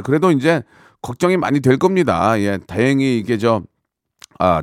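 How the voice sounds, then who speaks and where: A man's voice: mid-range voice, no echo, clean studio sound. A man hosting a radio call-in show, chatting jovially and teasing his callers. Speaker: radio host. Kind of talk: casual radio call-in chat. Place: radio studio.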